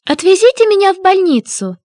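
A woman reading short translated phrases clearly and evenly in a language course. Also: very high-pitched, big pitch swings, a little fast, dark tone, dry recording, clean studio sound. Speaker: Russian translation reader.

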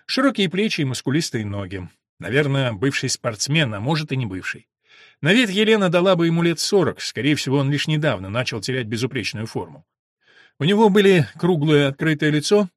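A man narrating a novel in an expressive storytelling manner. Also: fairly high pitch, no echo, studio quality. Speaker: audiobook narrator.

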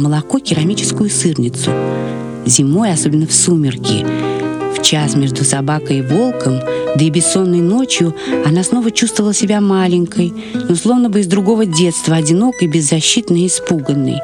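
A man narrating scripted literary prose as a storyteller. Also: high voice. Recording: loud music behind the voice. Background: music.

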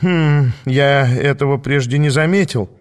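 A man's voice: mid-range voice, unhurried, smooth, close to an everyday voice. A man voicing a fawning, wheedling male devil merchant with a whining manner. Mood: prickly. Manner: whining, ingratiating.

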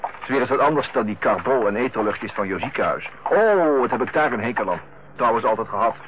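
Actor as teasing younger brother, muffled noisy recording. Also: male voice, mid-range voice, expressive, fast, natural voice. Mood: playful. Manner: jovial, bantering, chuckling way of talking. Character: teasing, lighthearted youngest brother, freelancer and family man. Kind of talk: naturalistic Dutch radio play acting. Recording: dull, noisy old radio play recording.

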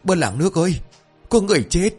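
A man's voice: fast, a little mellow, slightly rough, soft background music, close to an everyday voice. A man voicing a panicked middle-aged woman shopkeeper who calls out shrilly. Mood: alarmed. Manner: shrill calling out.

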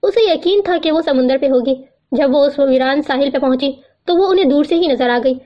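A woman narrating a novel aloud with steady, even storytelling delivery. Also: sits high. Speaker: audiobook narrator. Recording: muffled lo-fi recording.

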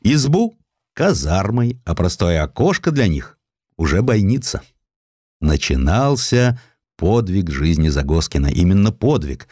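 Deep-voiced man, animated historical narration. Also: no echo, clean studio sound. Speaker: audiobook narrator. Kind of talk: scripted narration of historical sketches.

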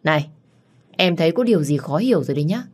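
A woman's voice: sits low, expressive, quick pace, a little mellow, breathy edge. A woman voicing a smug young man who mocks and brushes off his wife. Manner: teasing, dismissive.

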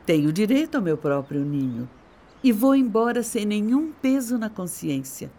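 An actress with a Brazilian accent playing a bitter, haughty middle-aged wife in a radio soap opera, mocking and theatrical. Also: female voice, medium pitch, sing-song, normal speed, mellow. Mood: mocking, scornful. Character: bitter, scornful middle-aged wife leaving her husband.

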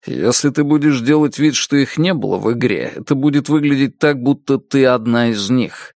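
A man's voice: mid-range voice, moderate pace, no room sound, natural voice. Man doing a cool blunt detective, level voice, no smile in it, dry close sound. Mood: relentless. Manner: calm, level, unsmiling. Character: blunt calm male detective, unsmiling, relentless.

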